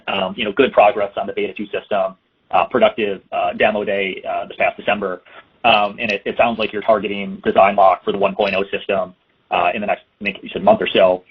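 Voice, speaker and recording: A man's voice: on the low side, flat delivery, fast talker, husky. A man asking questions as an analyst on an earnings call, polite and tentative in his phrasing. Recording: phone-like conference call line.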